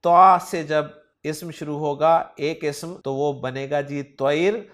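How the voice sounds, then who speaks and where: Slow, methodical male lecturer. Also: a little high, steady tone, a bit bright. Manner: slow, methodical, repeats each rule. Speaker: Arabic grammar teacher. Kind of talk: recorded lecture.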